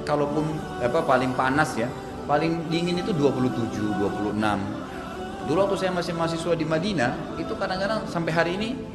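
A man preaching an informal sermon, telling anecdotes in a conversational way and often tagging his sentences with "gitu kan". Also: medium pitch. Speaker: Islamic preacher. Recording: echoey hall with music behind. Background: background music.

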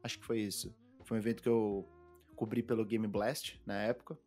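A man, co-hosting a podcast from home and telling stories in a relaxed way, full of fillers. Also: on the low side, fairly quick, faint music behind. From Brazil. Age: 20s. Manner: relaxed storytelling with many fillers. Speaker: podcast co-host. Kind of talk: casual podcast chat.

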